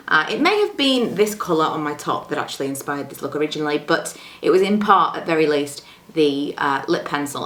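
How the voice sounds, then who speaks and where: A young woman doing a chatty, self-deprecating makeup tutorial at home, her voice a little low from a coming cold, speaking close to the camera. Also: a bit bright, echoey room. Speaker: beauty vlogger. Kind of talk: casual makeup tutorial chat. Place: room at home, indoors. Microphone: camera close to the face.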